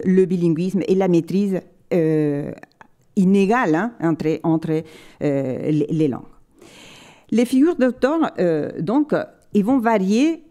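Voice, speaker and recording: A woman speaking at a library conference, giving an academic lecture in a measured, explanatory way and pausing often to search for words. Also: on the low side, mellow.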